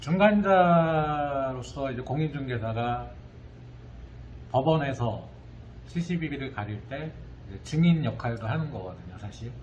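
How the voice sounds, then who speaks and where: Speaking at a very slow pace with long, frequent pauses, a man sounds somewhat breathy, with lively intonation and big swings in loudness. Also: medium pitch for a man. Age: 40s. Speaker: licensed real estate agent. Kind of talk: casual vlog talk to camera.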